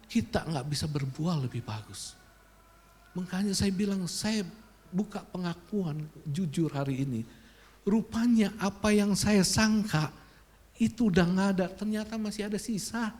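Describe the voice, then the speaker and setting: Male pastor, preaching in a church, high voice, goes loud then quiet. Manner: animated, swings from loud outbursts to quiet confession. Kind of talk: sermon with personal storytelling.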